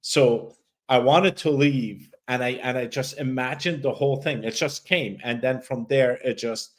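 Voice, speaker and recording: A man from Lebanon who grew up speaking Arabic. He is hosting a podcast over a video call and talks in a reflective, halting way, with many restarts. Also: mid-range voice. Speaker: podcast host. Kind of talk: casual podcast chat.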